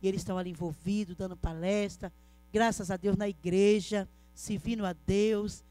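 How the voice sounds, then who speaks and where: A woman's voice: mid-range voice, fairly even intonation, moderate pace, warm tone, faint music behind. A middle-aged woman telling her story in an emotional church testimony, earnestly addressing her listeners as brothers. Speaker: church speaker giving a testimony.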